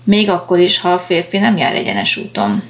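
A woman narrating an audiobook calmly. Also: on the low side. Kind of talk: audiobook reading.

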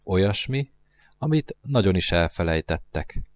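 A man's voice: low voice, lively intonation. A man voicing a lonely, wistful male fox who talks in an earnest, musing way in a storybook reading.

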